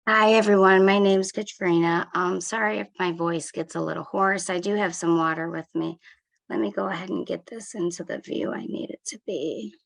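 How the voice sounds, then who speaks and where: A woman's voice: fairly low pitch, fairly even intonation, moderate pace, creaky, rough recording. A woman peer recovery coach giving a webinar presentation in a conversational way, with loose phrasing and fillers, over a computer mic on a video call. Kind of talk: presentation talk.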